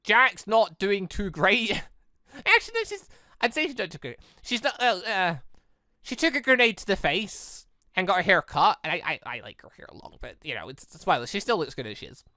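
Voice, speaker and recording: A man giving chatty, excitable, rambling commentary as he plays a visual novel. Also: sits high, normal speed, dry recording, clean studio sound. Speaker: gaming video host.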